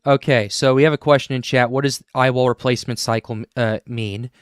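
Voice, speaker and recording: A man hosting a live weather stream, talking in halting bursts with many restarts. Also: mid-range voice, fairly even intonation, smooth, dry recording, studio quality. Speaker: livestream host.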